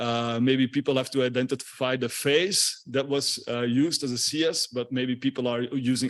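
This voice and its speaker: Here a man talks with fairly even intonation. The background is quiet. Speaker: researcher presenting at a conference. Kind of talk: conference talk. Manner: hesitant, many filler sounds; fast, hurrying through slides.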